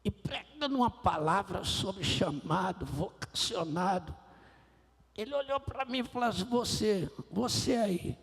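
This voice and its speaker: Male guest pastor, husky and high, animated testimony storyteller, long church-hall echo. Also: moderate pace. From Brazil, Rio de Janeiro. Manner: lively storyteller, acts out dialogue with slang. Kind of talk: testimony sermon. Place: church auditorium.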